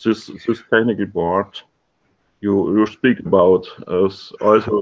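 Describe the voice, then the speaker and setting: Going very slowly, a man with a German accent keeps a fairly even intonation. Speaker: participant asking a question. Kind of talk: question in Q&A. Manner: halting.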